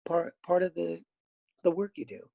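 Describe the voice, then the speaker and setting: A middle-aged man with a raspy voice, a voice actor chatting as a podcast guest in an animated, rambling way. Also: a little high, normal speed, dry recording, muffled recording. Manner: animated, rambling with many fillers. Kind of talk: casual podcast interview.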